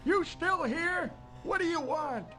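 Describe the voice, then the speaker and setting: A man voicing a crazy, cantankerous old hermit in an adventure video game, senile and hard of hearing, yelling in a cracked, drawn-out codger's voice. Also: very high voice, soft background music, exaggerated voice. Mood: irritated, shooing.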